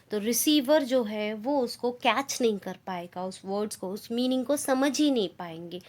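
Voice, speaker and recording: A woman teacher giving a classroom lecture, explaining points and reading out definitions slowly. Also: sits high, darkish tone. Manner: explains in Hindi, reads English definitions slowly and deliberately.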